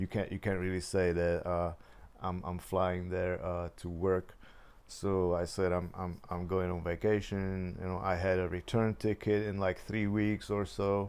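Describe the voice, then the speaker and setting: In a Czech accent, a man talks at a fairly slow pace with a very deep, low pitch. His intonation is monotone and flat, against a quiet background. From Czech Republic. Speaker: vlogger. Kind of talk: personal storytelling monologue. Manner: halting, many fillers and repetitions.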